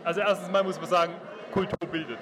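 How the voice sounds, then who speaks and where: A man's voice: sits high, fairly even intonation, fast, a crowd in the background. A man from a theatre audience, making emphatic, structured points. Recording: clear background noise.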